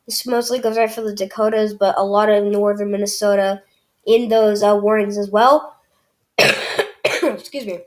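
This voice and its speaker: A woman's voice: medium pitch, steady tone, moderate pace, long pauses. Chatty woman forecasting with a cold. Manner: chatty, many fillers and restarts. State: has a cold, clears throat. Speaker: weather channel host. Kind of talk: casual forecast walkthrough.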